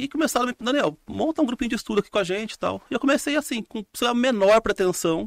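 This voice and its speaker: A man at a very fast pace, dry and close with no echo, on a very clean recording with a silent background. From Brazil, Minas Gerais. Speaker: orthodontist and professor. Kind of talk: interview. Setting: podcast studio. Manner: animated.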